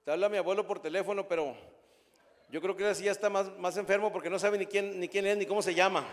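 A man's voice: high-pitched, steady tone, quick pace, voice pushed up, natural voice. A man doing a polite little Mexican girl. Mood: sweet, dutiful. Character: young girl, polite and patient. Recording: long hall reverb.

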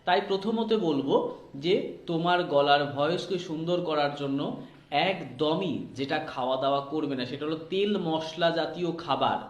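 A man with a fairly high voice speaks as an acting coach, explaining and advising in an informal teaching style. He addresses the listener directly. The recording has a strongly echoing room sound. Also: normal speed. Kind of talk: informal instructional talk. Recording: echoey room.

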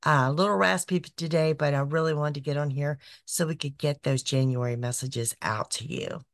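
Lady in her 50s, raspy from a cold, gravelly, dry close sound, chats through horoscopes. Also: low-pitched, steady tone, a little fast, dry recording. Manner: chatty, repeats phrases, frequent "okay". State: raspy voice from illness. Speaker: psychic podcast host. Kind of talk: casual monthly horoscope reading. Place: small decorated home room.

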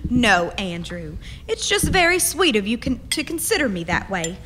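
An actress playing a gracious, polite frontier hostess in a radio drama, speaking courteously and genteelly. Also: female voice, on the high side, big pitch swings, moderate pace. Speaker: actor. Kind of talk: stage-like radio drama acting. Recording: clear background noise, clinking dishes.

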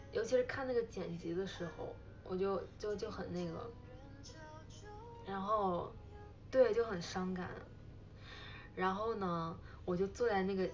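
A woman's voice: mid-range voice, lo-fi sound. A young woman hosting a casual livestream, rambling with many fillers, thanking viewers for gifts and breaking into giggles as she tells a story. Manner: bursts into giggles while retelling. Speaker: idol livestream host. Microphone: phone livestream.

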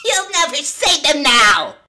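A man's voice: very high-pitched, very animated, measured pace, pushed and bright, heavily acted. A man voicing a bratty young turtle-monster villain child in a taunting, childish cartoon manner, as for an audition. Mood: gloating menace.

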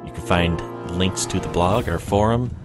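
A man's voice: low-pitched, normal speed, over music. A man hosting a podcast, reading a scripted show outro. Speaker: podcast host.

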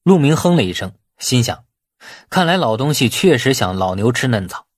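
A man reading a novel aloud as expressive scripted narration. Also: medium pitch, moderate pace, slightly rough, no room sound, studio quality. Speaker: audiobook narrator.

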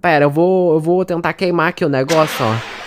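A woman's voice: low-pitched, a little fast. A woman with a Brazilian Portuguese accent giving casual gameplay commentary, chatty and jumpy, talking to her audience and to the game characters. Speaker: gaming streamer.

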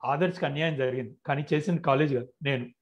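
A man reading the lines of a grieving, guilt-ridden young woman, quiet and firm. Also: mid-range voice, quick pace, lightly acted.

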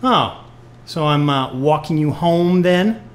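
A woman's voice: low voice, animated, slow pace. A woman acting a bitter, wisecracking retired male jazz musician in a live noir audio play, talking in hep-cat slang. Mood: sardonic, weary. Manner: hep-cat slang, sardonic, stammers when rattled. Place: live on stage in a club.

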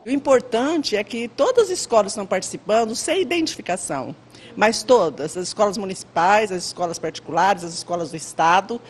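A Brazilian woman in her sixties speaks in an interview with animated pitch, over slight classroom noise. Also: fairly quick. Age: 60s. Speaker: maths project educator. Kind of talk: interview answers. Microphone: handheld interview microphone.

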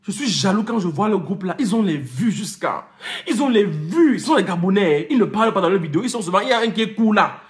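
A man's voice: high-pitched, animated, fast. A man ranting and teasing his viewers in a comic vlog, repeating names, slipping into English and laughing as he talks. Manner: laughs while talking. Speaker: vlogger. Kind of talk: comic rant to camera.

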